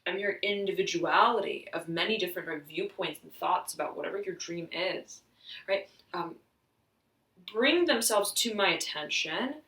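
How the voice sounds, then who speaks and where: A woman giving an intuitive tarot reading, halting and searching as she talks, slightly hoarse, often saying "right" and "I'm hearing.". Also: medium pitch, pushed and bright, far from the mic. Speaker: tarot reader. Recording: roomy echo, voice off-mic.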